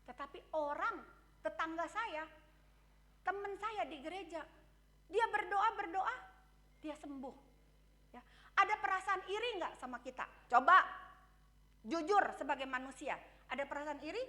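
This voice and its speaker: Delivering her sermon in a high, bright, pushed voice, a woman pastor from Indonesia speaks candidly and conversationally. She tells personal stories and keeps asking the congregation things, leaning on "ya" and "betul?"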